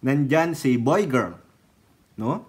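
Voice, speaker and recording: A Filipino political vlogger talks through current politics slowly and animatedly, teasing and chatty. He laughs often, going from loud remarks to low asides.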